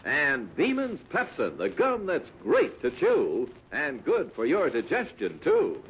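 A male announcer reads old-time radio ads with a punchy, rhythmic sales delivery. His pitch is a little high and swings widely. The 1950s recording is dull and faintly noisy. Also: wildly swooping pitch, takes it slowly. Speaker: commercial announcer. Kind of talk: 1950s radio advertising read.

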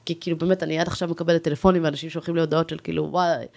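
A woman in her thirties talks as a podcast guest in a somewhat low voice. She is chatty and enthusiastic, spinning stories in casual conversation. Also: flat delivery, creaky, dark tone. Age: 30s.

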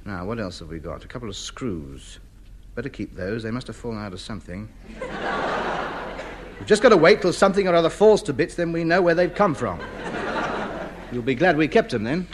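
A man's voice: mid-range voice, big pitch swings, brisk, long pauses, lightly acted. A man playing a fussy, pompous hoarder. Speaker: comedy actor. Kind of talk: 1950s radio comedy acting. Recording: old radio recording, noisy.

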